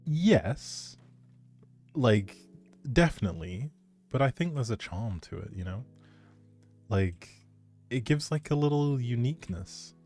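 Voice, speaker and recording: A man's voice: medium pitch, animated, slow pace, long pauses, a little mellow, faint music behind. A man chatting casually to viewers on a game livestream, musing aloud as he plays. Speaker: game streamer. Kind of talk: casual livestream chat while playing a life-simulation game.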